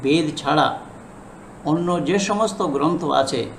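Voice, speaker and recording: A man preaching a didactic sermon as a non-native learner of Bengali, halting and repeating phrases for emphasis. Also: a little high. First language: not a native Bengali speaker. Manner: halting learner's Bengali, self-described as broken. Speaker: religious preacher. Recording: echoey room with faint background noise.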